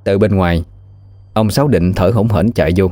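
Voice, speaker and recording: Male narrator, very low, dry close read, steady storytelling. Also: moderate pace, no room sound, soft background music. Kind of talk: scripted narration of a ghost story.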